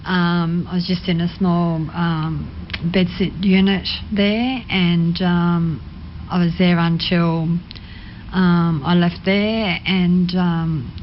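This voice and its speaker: Soft, hesitant, low-voiced woman. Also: steady tone, slow, highs cut off, a little hiss or hum. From Sydney, Australia. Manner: hesitant, many ums, soft-spoken. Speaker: interview guest. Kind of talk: personal testimony. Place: radio studio.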